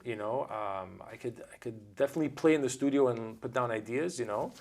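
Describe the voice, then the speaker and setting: A man's voice: medium pitch, fairly quick, vocal fry, a little mellow. A man in his forties whose first language is Italian, telling rambling stories as a guest musician in a casual interview. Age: 40s. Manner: chatty, rambling storyteller.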